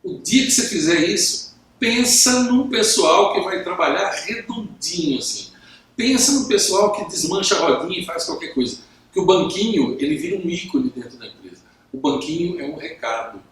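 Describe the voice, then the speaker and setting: A Brazilian man coaching business owners to camera, talking calmly and acting out both sides of workplace conversations. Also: sits high, normal speed, distant mic, a little hiss or hum. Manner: acts out both sides of dialogues; calm, even tone. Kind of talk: instructional talk to camera. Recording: very echoey room.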